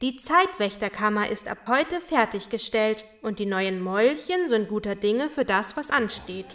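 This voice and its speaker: A woman's voice: mid-range voice, animated, moderate pace, a bit bright, close to an everyday voice. A woman playing an officious, friendly town crier creature, proclaiming ceremoniously in a children's audio drama.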